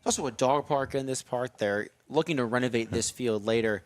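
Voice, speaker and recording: A young man calling a baseball game on the radio from a ballpark press box, steady in tone and lifting his voice on big plays. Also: mid-range voice, a little fast, no echo. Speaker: play-by-play announcer.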